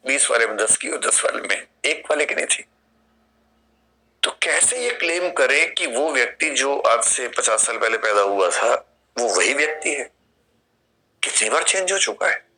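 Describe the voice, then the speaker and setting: A man's voice: mid-range voice, pushed and bright, low-quality recording. A man in his fifties with an Indian accent, giving a classroom lecture and explaining through questions and vivid examples. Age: 50s. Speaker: philosophy teacher.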